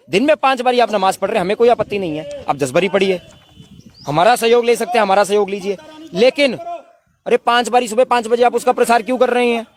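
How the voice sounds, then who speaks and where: A man making an impassioned, emphatic statement to reporters at a protest, full of indignant rhetorical questions. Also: very high voice. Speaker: protest spokesman.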